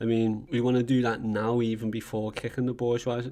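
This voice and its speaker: At a moderate pace and medium pitch, a man speaks in a dark, mellow tone against a quiet background. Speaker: political podcast host. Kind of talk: solo podcast monologue. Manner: monotone.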